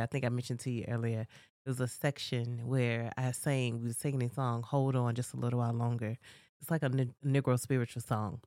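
A woman's voice: extremely low pitch, darkish tone, no echo, clean studio sound. A woman co-hosting a podcast, chatting casually and telling rambling stories with laughs. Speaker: podcast co-host. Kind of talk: casual chat.

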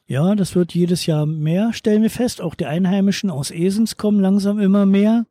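A man from eastern Germany who runs a beach bar and holiday flats, answering interview questions in a relaxed, plainspoken way. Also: sits high, moderate pace, no echo.

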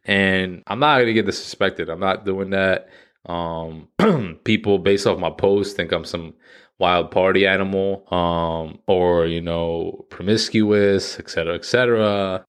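A man in his thirties talking casually and profanely to his audience in an animated, slangy rant. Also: on the low side. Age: 30s. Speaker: vlogger. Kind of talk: casual monologue to camera.

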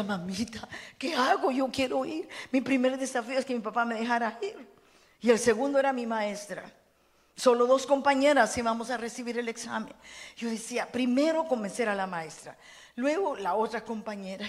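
A woman pastor preaches a sermon, her voice set a little high. She keeps putting questions to the congregation. Her voice rings through a hall with a long, trailing reverb. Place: church hall.

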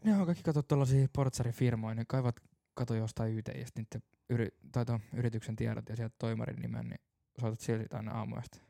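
A man's voice: medium pitch, fairly even intonation, vocal fry, few pauses, dark tone, dry recording. A man co-hosting a casual podcast, teasing his friend with dry irony. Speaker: podcast co-host.

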